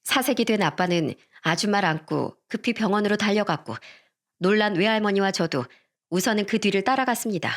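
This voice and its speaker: Woman narrating a dramatic story. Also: medium pitch. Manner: dramatic first-person recounting.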